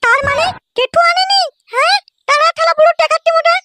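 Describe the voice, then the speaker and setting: Tiny nosy cartoon child, extremely high squeaky voice, greedy, cheeky, quick. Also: female voice, very noisy. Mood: nosy, indignant. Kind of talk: comedy cartoon dialogue.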